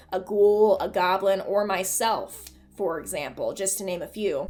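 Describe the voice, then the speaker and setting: Irreverent, conversational woman commentator. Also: mid-range voice. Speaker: host of a horror commentary video. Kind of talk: casual, profane video commentary.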